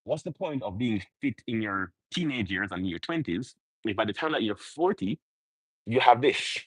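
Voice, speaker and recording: A man's voice: fairly low pitch, animated, moderate pace, a bit bright, slightly rough, no echo, low-quality recording. A man hosting a motivational live stream, speaking off the cuff and emphatically, often checking for agreement with rhetorical questions. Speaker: motivational livestream host.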